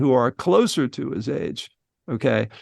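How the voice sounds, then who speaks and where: Over a quiet background, a man with a fairly high pitch and an American accent speaks at a fairly slow pace with vocal fry. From US Northeast, New York City. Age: 70s. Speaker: psychology professor. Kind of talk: podcast interview. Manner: halting.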